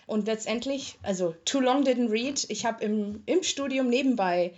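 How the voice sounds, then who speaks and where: A young woman from Germany giving an interview and telling her story in a chatty, colloquial way, with frequent filler pauses. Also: a little high, darkish tone. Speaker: interviewee, tech customer support worker. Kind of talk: casual interview talk. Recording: slightly muffled lo-fi recording.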